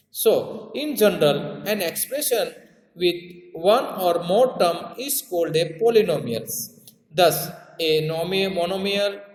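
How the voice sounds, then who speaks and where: Male maths teacher, South Asian accent, slightly high voice, explains and repeats with tag questions, in a very reverberant room. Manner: repeats key terms and adds tag questions to check understanding. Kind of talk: classroom lesson explanation. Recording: echoey room with long reverb.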